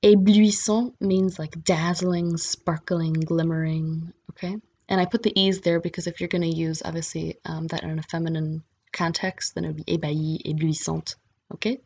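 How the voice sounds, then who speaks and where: Breathy-voiced woman teaching French. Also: low voice, flat delivery, normal speed, a little mellow. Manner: explains in English and French, checks in with "okay?"; reads a book excerpt aloud in French. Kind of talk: casual language lesson.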